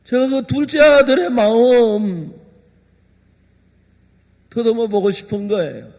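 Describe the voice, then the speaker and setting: A male pastor preaching an emotional sermon, his voice dropping to a hush and then rising loud again as he tells the story. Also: very high voice, slow pace. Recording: long hall reverb.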